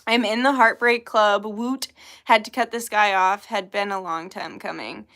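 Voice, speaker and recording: Bright-voiced young woman chatting on a livestream. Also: medium pitch, steady tone, moderate pace. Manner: laughs often, joking and swearing freely. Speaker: tarot reader livestream host. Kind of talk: casual livestream chat, reading chat messages.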